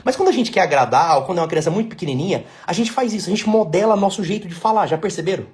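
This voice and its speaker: Brazilian man, middle-aged therapist, blunt and emphatic, slightly high voice, lecturing to camera. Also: expressive, very fast, a little mellow. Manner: blunt, emphatic, repeats key phrases, asks "tá entendendo?". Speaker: couples therapist. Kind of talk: talking-head lesson.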